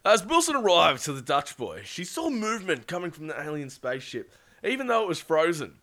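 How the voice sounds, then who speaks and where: A man's voice: fairly high pitch, sing-song, a little fast, sharp tone. A man hosting a show and reading out a comic sci-fi story, often breaking into laughter. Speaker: storyteller and host.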